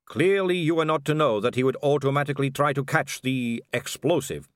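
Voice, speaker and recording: Brief: male narrator as a distant, careful official, audiobook; measured, slightly stiff. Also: medium pitch, no echo, clean studio sound, pitched above the performer's own voice, lightly acted. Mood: guarded. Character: evasive male town official, stiffly rehearsed. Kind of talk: audiobook character reading.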